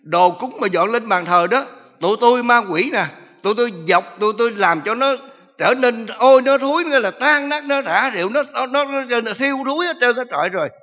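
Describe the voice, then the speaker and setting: A man voicing a boastful, taunting demon that possesses a young woman, speaking in a shrill, mocking, threatening way. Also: fairly quick, in a large hall, lo-fi sound. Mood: gloating.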